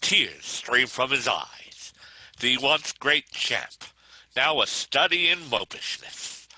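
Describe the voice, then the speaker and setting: A man's voice: medium pitch, big pitch swings, takes it slowly, pushed and bright, dry recording, heavily acted, rough recording. A man acting a pompous, theatrical sports commentator who gives grandiose mock commentary in a comic script read. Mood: pompous, mock-solemn.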